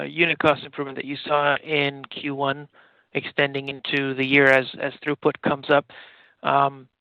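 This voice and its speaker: A man's voice: on the high side, vocal fry, dry recording, highs cut off. A man, a financial analyst, politely asking winding questions on an earnings call.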